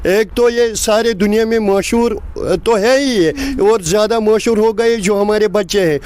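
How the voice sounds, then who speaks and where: A man's voice: high voice, moderate pace, a little mellow. A man from Kashmir with a Kashmiri accent, telling local lore as an interviewee in an earnest, repetitive, rambling way. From Kashmir, India. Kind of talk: informal storytelling in an interview. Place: outdoors at a local site. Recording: clear background noise outdoors, passing vehicles.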